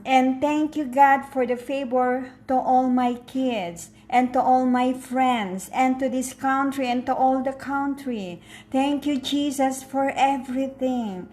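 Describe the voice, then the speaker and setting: Female vlogger, Filipino accent, fairly high pitch, casual and slow delivery to camera. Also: darkish tone. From Philippines. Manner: repeats words for emphasis. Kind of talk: casual chat to viewers.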